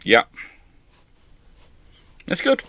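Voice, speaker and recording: A man's voice: very slow, heavy background noise. A man hosting a live question-and-answer stream, talking in a wry, discursive way with sarcastic asides. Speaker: host.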